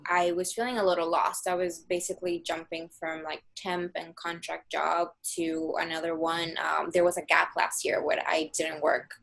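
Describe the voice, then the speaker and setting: A woman's voice: lowish voice, little pitch movement, normal speed, creaky, hardly any pauses, a bit bright. A young woman from Mexico chatting casually about her job search as a coaching client, filling her talk with "like" and "um". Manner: chatty, lots of "like" and "um" fillers. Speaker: coaching client giving a testimonial. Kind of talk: casual interview answers.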